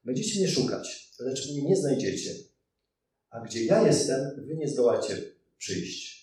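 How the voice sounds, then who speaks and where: A man's voice: medium pitch, big pitch swings, unhurried, dark tone. A man reading aloud the words of a man teaching a crowd, with emphatic, rising declamation. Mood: solemn. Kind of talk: read-aloud scripture quotation. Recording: very echoey, distant mic.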